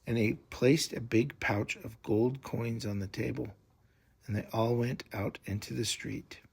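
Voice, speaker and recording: A man's voice: mid-range voice, steady tone, a little slow, creaky, slightly rough. A man reading a children's story aloud as storyteller, expressively, with explanatory asides to a young listener.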